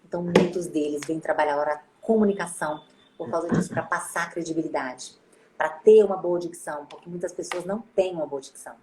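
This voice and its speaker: Animated Brazilian woman host, echoey room. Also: lowish voice, brisk, slight background noise. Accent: Brazilian Portuguese. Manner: animated, acts out quoted greetings. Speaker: host, speech therapist. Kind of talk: casual interview chat.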